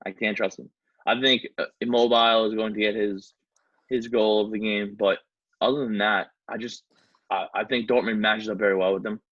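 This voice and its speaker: A man's voice: fairly low pitch, fairly even intonation, normal speed, no echo. A man co-hosting a podcast, chatting casually and hesitantly about football. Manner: hesitant, stumbles over foreign names. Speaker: podcast co-host. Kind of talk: casual sports chat. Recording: dull lo-fi, dry sound.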